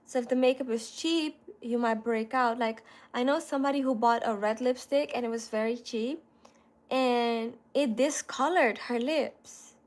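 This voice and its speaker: A woman in her thirties chatting casually with viewers in a relaxed, talkative way, often saying "you know" and "like". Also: fairly high pitch, moderate pace. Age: 30s. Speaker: content creator. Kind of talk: casual livestream chat answering viewers.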